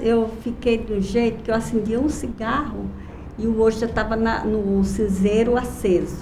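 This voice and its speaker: A woman with a fairly high pitch speaks fairly slowly in a flat monotone at very even loudness, with audible room echo and noticeable background noise. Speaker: interviewee, former smoker. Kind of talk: testimony.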